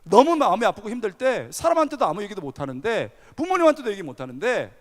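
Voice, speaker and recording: A male pastor preaching a sermon, telling a story with animated energy and asking the audience questions. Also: high-pitched, quick pace. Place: large church hall. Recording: long hall reverb.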